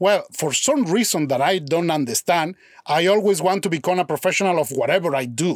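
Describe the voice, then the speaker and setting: A man with a Spanish accent speaks high and fairly quickly, his intonation lively and his loudness very even. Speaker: visual effects artist and teacher. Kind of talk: interview.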